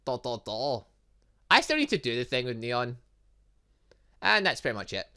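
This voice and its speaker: A man's voice: medium pitch, sing-song, moderate pace, sharp tone, clear, resonant tone. A man giving casual, chatty gaming commentary, thinking aloud as he goes. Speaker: gaming channel host. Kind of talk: casual gaming commentary, reading visual novel dialogue aloud.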